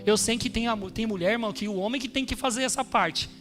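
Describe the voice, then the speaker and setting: A pastor preaching a sermon in a church, emphatic, calling on the congregation with frequent amens. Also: male voice, sits high, fast talker, music in the background. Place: church hall during a service.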